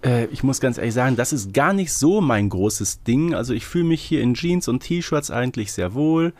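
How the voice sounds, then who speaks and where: Lively-pitched man co-hosting a podcast. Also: normal speed, dry recording. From Herten, Germany. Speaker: podcast co-host. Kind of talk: casual conversational podcast chat. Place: close, dry podcast recording.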